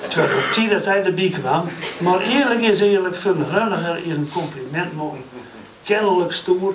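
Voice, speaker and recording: This man talks at a moderate pace in a high pitch, his pitch variation ordinary, with noticeable background noise behind him. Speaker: regional-language writer. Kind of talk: award acceptance speech. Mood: warm, humorous thanks. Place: hall. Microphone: podium.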